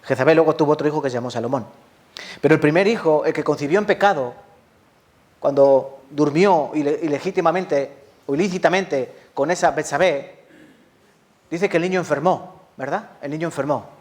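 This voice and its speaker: A man with a Spanish accent from Spain preaches a sermon in a voice a little higher than most men's. He speaks with passion, putting questions to his listeners and answering them himself. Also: brisk, a little mellow. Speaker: pastor.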